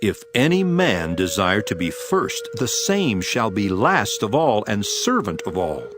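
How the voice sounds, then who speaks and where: A man's voice: lowish voice, big pitch swings, unhurried, noisy background. A man playing Jesus as a solemn, authoritative teacher in a dramatized scripture reading, declamatory and commanding. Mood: earnest teaching. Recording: music behind the voice. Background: music.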